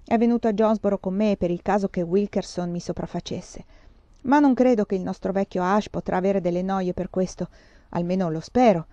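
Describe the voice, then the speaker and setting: A woman's voice: medium pitch, steady tone, brisk, warm tone, dry recording, lo-fi sound, close to an everyday voice. A woman voicing a desperate young fugitive man who talks in an urgent, boastful, raised voice, read as a storybook. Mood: excited.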